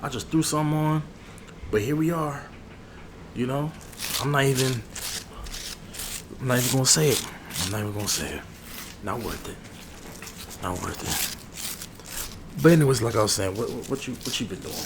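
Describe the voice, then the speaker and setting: A man's voice: mid-range voice, lightly acted. A man playing an irritated, money-minded hood barber in an ASMR role-play, chatting casually and grumbling as he repeats himself. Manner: grumbling, repeats phrases, drawn-out asides. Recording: clearly noisy background ambience.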